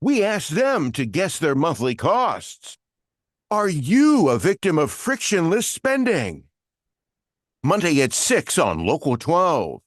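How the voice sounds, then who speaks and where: A man voicing an upbeat male TV news promo announcer, with a punchy, bright read that stresses key words. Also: a little high, wildly swooping pitch, takes it slowly, dry recording, clean studio sound, pitched above the performer's own voice, full character voice.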